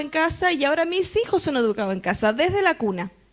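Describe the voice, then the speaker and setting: With a slight American accent, a woman talks at a moderate pace, her pitch swinging very widely. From Chile (raised by US missionary parents). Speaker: homeschool ministry founder and speaker. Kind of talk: conference talk. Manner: conversational with frequent fillers.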